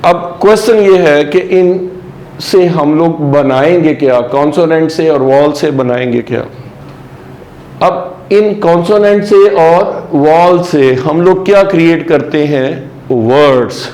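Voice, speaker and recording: Slow-talking male grammar teacher. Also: fairly high pitch, darkish tone, reverberant, rough recording. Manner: asks questions and answers them himself; mixes English terms into Urdu-flavored Hindi. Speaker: English teacher. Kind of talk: classroom grammar lecture.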